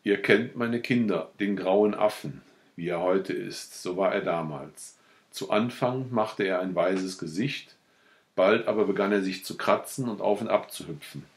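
A man narrating a classic literary story as an audiobook, in a measured storytelling manner. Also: low voice. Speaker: audiobook reader.

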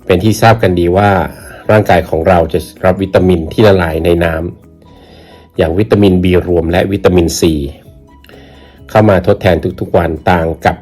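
A man hosting his own channel, casually reviewing a stress supplement, talking in an unhurried, halting way and repeating phrases as he goes. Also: low-pitched, fairly even intonation, a little mellow, faint music behind. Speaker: YouTube channel host. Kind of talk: casual product review vlog.

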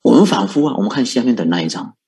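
A man's voice: medium pitch, expressive, racing, gravelly, warm tone. A man giving a Buddhist sermon, coaxing his listeners with repeated rhetorical questions and frequent chuckles. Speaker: Buddhist monk teaching.

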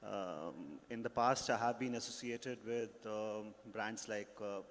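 A man running a restaurant brand, introducing himself on a conference panel, halting with many fillers into a handheld mic. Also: fairly low pitch. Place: large conference stage. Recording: long hall reverb, faint noise.

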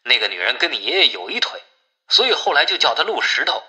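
An anxious village kinsman on a filtered phone call, performed by a male narrator. His tone is very bright and tense, at a middling pitch. He pleads and sighs with resignation in this audiobook drama. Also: very animated, fast. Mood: gossiping. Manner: pleading, sighing.

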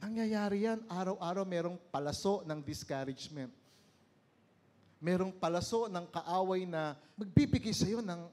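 Male pastor, high voice, lively sermon with call-and-response questions and sudden drops to slow, quiet stress. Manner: preaches in Tagalog mixed with English, asks the congregation questions; swings from loud exclamations to slow, low emphasis.

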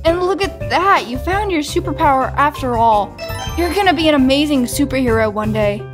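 A woman's voice: high voice, lively intonation, fairly quick. A woman voicing a spirited, brave young animal superhero in a cartoon, earnest and emphatic. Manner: emphatic, exclamatory. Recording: music behind the voice.

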